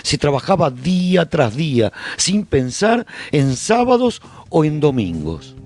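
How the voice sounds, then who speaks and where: Radio play: a hopeful survivor announcer, swooping expressive delivery, a touch of rasp, measured pauses. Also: male voice, fairly high pitch. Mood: earnest, hopeful. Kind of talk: scripted radio drama narration.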